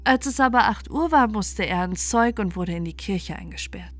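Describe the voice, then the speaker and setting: A woman reading a bedtime fairy tale as an expressive, measured storyteller. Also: medium pitch, soft background music.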